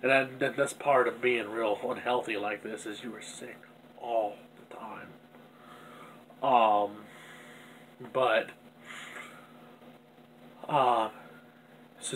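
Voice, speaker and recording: A man of middle pitch speaks with a stuffy, congested nose, rambling through a personal video diary. His talk is candid and self-critical, full of restarts. A faint hum sits behind him. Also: a bit bright, rough recording. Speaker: vlogger.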